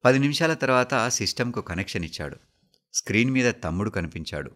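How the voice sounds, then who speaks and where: A man with a Telangana accent reading a story aloud for the radio in a steady, measured way. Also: lowish voice. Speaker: story reader.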